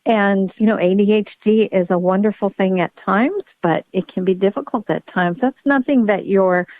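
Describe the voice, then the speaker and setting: A woman's voice: medium pitch, normal speed, no echo. A woman pediatric neurologist speaking as a podcast guest, explaining her work earnestly and upbeat. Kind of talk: podcast interview. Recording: dry tinny phone-like line.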